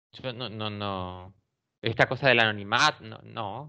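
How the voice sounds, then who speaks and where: In a quiet setting, a man speaks with ordinary variation in pitch. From Argentina. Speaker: university lecturer. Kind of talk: lecture. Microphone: video call.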